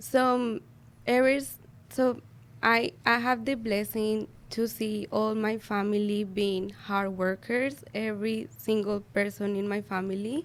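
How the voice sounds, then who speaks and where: A woman with a Spanish accent speaks at a fairly slow pace. Her pitch is fairly high and her intonation fairly even. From Colombia, Bogota. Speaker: solar sales rep. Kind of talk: interview conversation.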